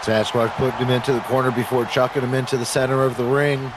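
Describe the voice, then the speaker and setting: A man's voice: medium pitch, little pitch movement, fast talker. A man working as second wrestling commentator, giving terse descriptive calls and counting pins. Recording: very loud crowd and noise behind. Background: roaring crowd, arena noise.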